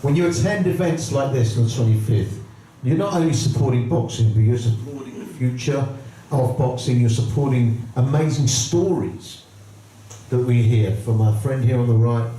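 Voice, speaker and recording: A man's voice: medium pitch, moderate pace, warm tone, slight background noise. A man hosting a boxing press conference, chatty and promotional, putting questions to the fighters. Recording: echoey room, distant mic.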